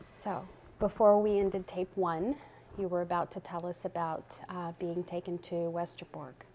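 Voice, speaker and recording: The tone is dark and mellow, with fairly even intonation. Light background noise is present. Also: woman, fairly low pitch for a woman, moderate pace. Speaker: oral history interviewer. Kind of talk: interview question. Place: home room. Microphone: lapel.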